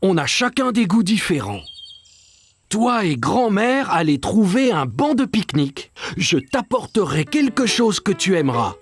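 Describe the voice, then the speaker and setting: A man's voice: high voice, sing-song, a little slow, exaggerated voice. A man voicing a kind, playful grandfather in a cartoon, patient and teasing. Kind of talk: cartoon dubbing.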